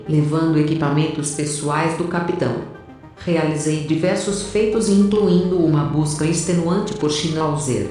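A woman's voice: deep voice, a little mellow, natural voice. A woman playing an impetuous, theatrical female soldier and first mate in an audio drama. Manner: theatrical, haughty. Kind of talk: audio drama acting and narration. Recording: roomy, distant, music underneath.

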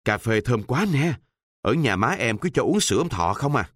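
A man's voice: medium pitch, sing-song, normal speed, a bit bright, husky, dry recording, studio quality. A man voicing a naive, eager teenage schoolboy who asks a lot of questions, in a storybook reading. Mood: curious.

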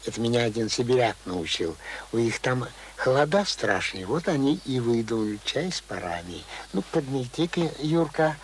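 Man acting a lively, folksy old village man. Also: mid-range voice, moderate pace, close to an everyday voice. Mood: cosy, jovial. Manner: rustic colloquial speech, fond diminutives. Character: cheerful, folksy old village pensioner, talkative and stubborn. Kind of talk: radio drama acting. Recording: noisy old radio play recording.

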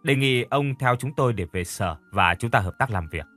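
A man voicing a stern police officer speaking formally and slowly. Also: medium pitch, expressive, fairly bright tone, faint music behind, close to an everyday voice.

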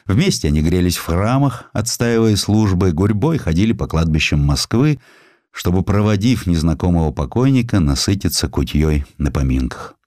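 A man with a low voice narrates a literary historical account in a close, dry recording. His delivery is measured and dramatic, with deliberate pauses that set off the phrases like a storyteller. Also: animated, darkish tone, no echo. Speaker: audiobook narrator.

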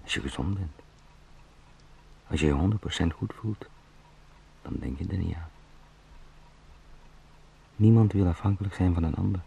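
Deep, dark-toned anxious salesman turned beetle, halting, introspective, drifting into whispers, radio drama. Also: creaky, breathy edge, exaggerated voice. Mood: reflective.

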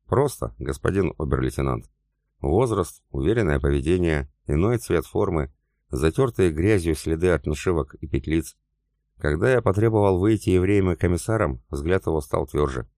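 A man's voice: sits low, animated, moderate pace, dark tone, dry recording, clean studio sound. A man reading the lines of a shrewd, seasoned German sergeant, plainly matter-of-fact.

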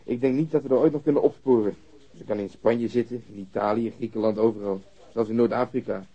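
An actor playing a cynical, blunt police detective in a radio drama, talking casually and sardonically. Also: male voice, medium pitch, steady tone, quick pace, husky, lo-fi sound, lightly acted. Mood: sardonic amusement. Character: cynical, coarse, amused male police detective.

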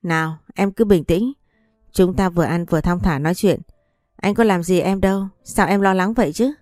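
A woman voicing a calm, cool-mannered young husband in a spoken story, speaking in a level, patient, coaxing way. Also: lowish voice, moderate pace, no room sound, studio quality, faint music behind, lightly acted. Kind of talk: audiobook character reading.

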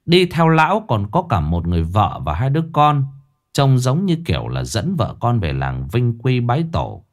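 A man telling a ghost story in a lively, earthy way. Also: mid-range voice, moderate pace.

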